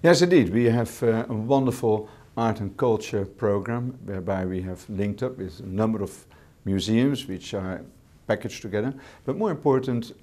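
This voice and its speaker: A man with a Dutch accent, a hotel manager answering interview questions in English as a second language, measured, with repeated words and fillers. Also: on the low side, darkish tone. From Netherlands.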